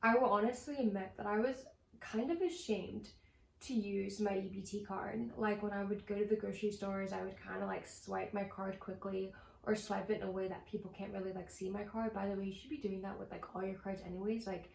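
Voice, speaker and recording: A young woman chats casually to her camera, filling her talk with "like" and small restarts. Her voice has a gravelly fry at the ends of phrases. The room is echoey, with a faint background hum. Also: mid-range voice, fairly even intonation, a little fast. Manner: chatty, frequent "like" fillers. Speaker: vlogger.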